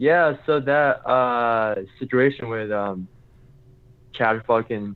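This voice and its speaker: A man's medium-pitched voice at a very slow pace, with ordinary pitch variation. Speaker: caller. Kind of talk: casual chat. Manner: halting.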